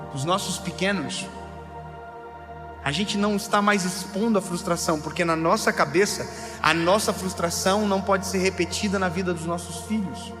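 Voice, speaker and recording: A pastor in his thirties preaches with a light, high voice, swinging from playful asides to near shouts. His words ring out through a large hall with long reverb. Music plays clearly underneath. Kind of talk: sermon.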